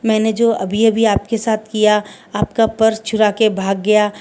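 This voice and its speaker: A woman's voice: mid-range voice, level tone, a little slow, warm tone, a little hiss or hum, close to an everyday voice. A woman voicing a sheepish young male petty thief in a told story, making excuses.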